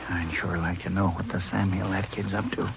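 An actor playing a plainspoken small-town sheriff in a 1950s radio western, with a folksy way of talking. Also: male voice, sits low, flat delivery, fairly quick, vocal fry. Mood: hushed, puzzled. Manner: folksy, colloquial. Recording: muffled, hissy old radio recording.

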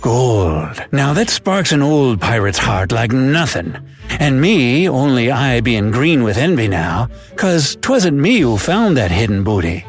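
A man's voice: medium pitch, sing-song, a little slow, faint music behind. A man voicing an old male pirate storyteller who tells tales of lost treasure in pirate slang with a theatrical drawl. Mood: jolly. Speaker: narrator. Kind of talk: scripted narration.

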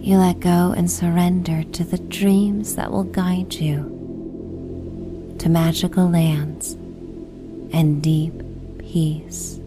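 A woman narrating a bedtime sleep story in a soothing, hushed, unhurried manner. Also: on the low side, flat delivery, over music. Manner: soothing, hushed, unhurried guided relaxation delivery.

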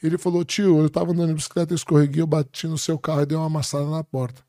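Brazilian man telling animated anecdotes. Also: a little high, rapid-fire, no echo, studio quality. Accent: Brazilian Portuguese. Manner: animated anecdotes with quoted dialogue. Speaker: podcast guest. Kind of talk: casual storytelling.

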